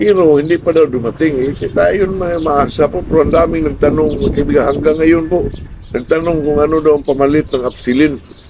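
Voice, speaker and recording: Noticeable background noise fills the recording. Over it, a man speaks fairly quickly. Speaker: backyard poultry breeder vlogger. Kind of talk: casual vlog talk. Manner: halting, many fillers.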